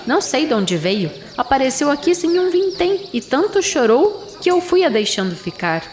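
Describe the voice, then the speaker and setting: A woman's voice: high voice, very animated, moderate pace, darkish tone, reverberant, pitched above the performer's own voice. Sneering old female innkeeper played by a woman, grudging and dismissive, audio drama with background noise. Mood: scornful, grumbling.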